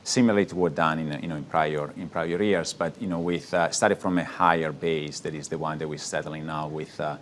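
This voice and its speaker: A man's voice: very deep voice, steady tone, fairly quick, hardly any pauses, a little hiss or hum. A man speaking as a finance executive, giving answers on an earnings call.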